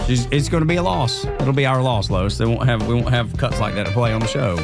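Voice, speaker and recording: A man's voice: mid-range voice, fast, vocal fry, loud music behind the voice. A man with an Appalachian accent co-hosts a radio show, chatting casually in folksy, colloquial language. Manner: folksy, colloquial turns of phrase. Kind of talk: casual political talk and banter.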